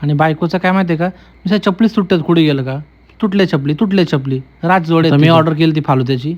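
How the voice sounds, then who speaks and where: A man's voice: a little high, steady tone, quick pace. Chatty man vlogging on a phone. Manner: chatty, teasing, repetitive running commentary. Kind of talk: casual vlog commentary. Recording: dull lo-fi phone audio.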